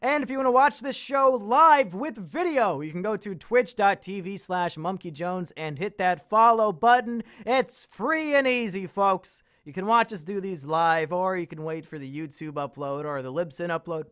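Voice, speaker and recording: Bright high-voiced male podcast host. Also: animated, moderate pace, few pauses, smooth. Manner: crude teasing jokes, frequent laughter. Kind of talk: casual podcast chat.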